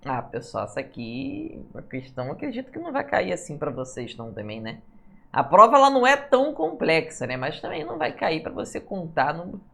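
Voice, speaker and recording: A woman teaching an exam-prep Portuguese lesson, her fairly low voice swinging widely in pitch. She stretches key words slowly when she stresses a rule. She keeps checking in with her students as she works through each answer. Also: wildly swooping pitch, creaky, sharp tone. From Brazil. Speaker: Portuguese teacher for civil service exams.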